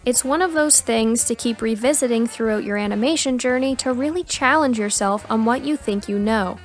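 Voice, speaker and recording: A woman with a fairly high voice reads a scripted tutorial. She explains things in a clear, instructional way, with music playing behind her. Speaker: tutorial narrator. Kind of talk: scripted educational narration.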